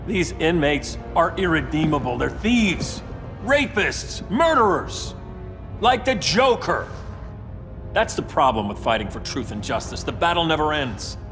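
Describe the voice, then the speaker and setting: An actor playing a powerful, ruthless hero in a game cutscene, with a commanding, forceful delivery. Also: male voice, a little high, big pitch swings, measured pace, in a large hall, music in the background. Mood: resolute. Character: powerful male hero turned ruthless, unyielding. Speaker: game character.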